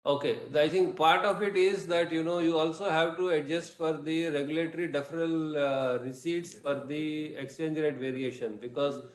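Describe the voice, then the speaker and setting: A man with an Indian accent answering questions as a company executive on an earnings call, in a halting, measured way. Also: a little high, steady tone. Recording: echoey room sound.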